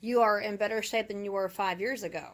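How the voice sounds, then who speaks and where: A woman's voice: medium pitch, steady tone, a little fast. A woman casually asking questions and commenting from behind the camera.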